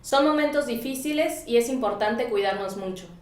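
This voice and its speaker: A woman co-teaching a lesson, phrasing each line clearly for learners. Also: a little high, moderate pace, echoey room. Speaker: Spanish teacher. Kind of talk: scripted language lesson.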